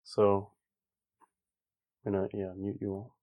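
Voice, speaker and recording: A man leading a guided meditation in a calm, informal way, speaking gently spaced instructions with long pauses. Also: fairly low pitch, muffled recording. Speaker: meditation teacher. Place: online group session over video call.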